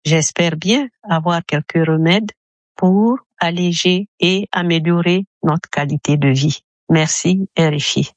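A woman's voice: lowish voice, a little slow, no room sound, muffled recording. Woman in her 70s, voice changer disguise. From Gabon. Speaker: caller. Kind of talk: recorded listener testimony.

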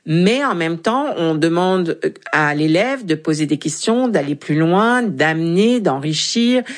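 A woman's voice: fairly low pitch, animated, measured pace. A Franco-Canadian woman, an intercultural consultant, explaining ideas emphatically in a radio interview. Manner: articulate, emphatic, lists examples.

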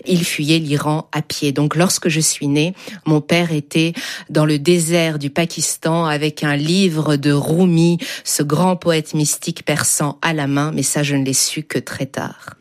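A woman giving an interview, speaking thoughtfully with frequent pauses and hesitations. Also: deep voice, fairly even intonation. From Germany. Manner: slow, thoughtful, pausing with hesitations. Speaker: interview guest. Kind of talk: radio interview answers.

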